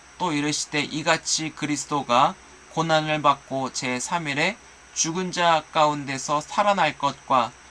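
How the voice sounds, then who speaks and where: There is noticeable background noise as a man speaks at a fairly high pitch. He talks at a fairly slow pace. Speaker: pastor. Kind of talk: reading aloud; closing remarks.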